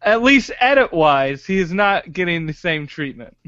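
A man's voice: sits high, very animated, normal speed, sharp tone, dry recording. A man co-hosting a casual podcast, who laughs often and hesitates with "uh"s. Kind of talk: casual chat. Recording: dry, slightly dull lo-fi audio.

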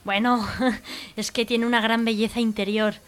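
A woman telling jokes on a local radio comedy show with brisk delivery. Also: on the high side, level tone.

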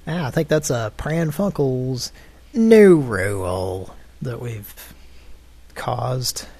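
Slow, rambling jokey male host. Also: mid-range voice, animated, creaky, a little mellow, no echo. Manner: rambling, jokey, laughs often. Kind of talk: casual chat on a prank-call show.

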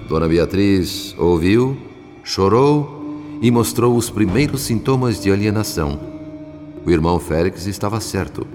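A Brazilian actor playing a solemn spirit narrator in a radio drama, telling the tale in measured, literary diction. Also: male voice, fairly low pitch, expressive. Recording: long reverb, music underneath.

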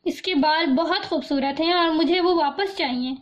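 A woman's voice: high-pitched, lo-fi sound, natural voice. A woman voicing a pleading, heartbroken young man. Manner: pleading, worried.

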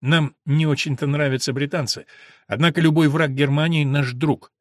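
A man's voice: fairly high pitch, fairly even intonation, moderate pace, no room sound, clean studio sound, close to an everyday voice. A man voicing an earnest young male recruiter who talks persuasively.

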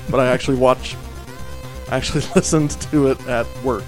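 A man's voice: mid-range voice, fairly even intonation, moderate pace, faint music behind. A man co-hosting a gaming podcast, joking and self-deprecating in casual chat. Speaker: podcast co-host.

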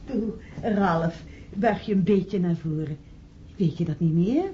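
A woman's voice: fairly low pitch, slow pace, mellow. An actress playing a middle-aged widowed mother in a radio play, fussing and yearning, lost in memory. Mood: fussing, wistful. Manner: fussing, dramatic. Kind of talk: Dutch radio play acting. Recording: dull, faintly noisy old radio recording.

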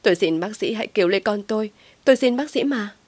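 A woman voicing a distraught young mother who cries out in shrill outbursts. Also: a little fast, dry recording, close to an everyday voice.

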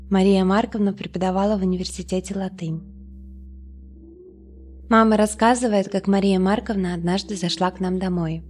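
Woman audiobook narrator, mid-pitched, calm and measured, faint noise behind. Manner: calm, measured first-person reading.

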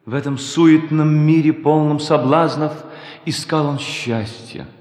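An actor playing a tormented, self-loathing hermit preacher in a radio drama, declaiming theatrically and repeating words for emphasis. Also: male voice, fairly high pitch, steady tone, unhurried, a little mellow, close to an everyday voice. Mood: solemn preaching. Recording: music behind the voice.

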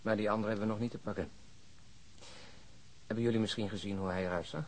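A man playing a calm police investigator in a radio drama, asking patient, probing questions. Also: fairly low pitch, fast talker, slight background noise, close to an everyday voice. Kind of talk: naturalistic radio drama acting.

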